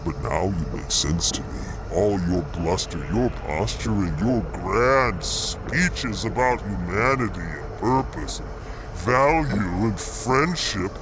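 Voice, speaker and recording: An actor playing a gloating, contemptuous villain who savors each word with pompous scorn in an audio drama. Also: male voice, fairly low pitch, lively intonation, takes it slowly, noisy background. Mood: smug, mocking. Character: gloating, contemptuous villainous observer mocking fools. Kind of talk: audio fiction drama acting.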